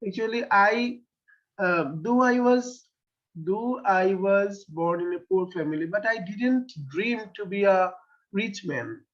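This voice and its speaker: A man with a Bangladeshi accent, a poet whose first language is Bengali, talking in an interview with many pauses, fillers and restarts. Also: sits high. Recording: dull lo-fi sound.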